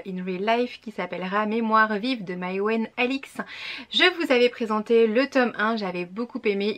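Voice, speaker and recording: A woman's voice: a little high, fairly bright tone. Chatty woman in her thirties. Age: 30s. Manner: chatty, frequent hesitations with "euh". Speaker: book vlogger. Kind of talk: casual book release roundup.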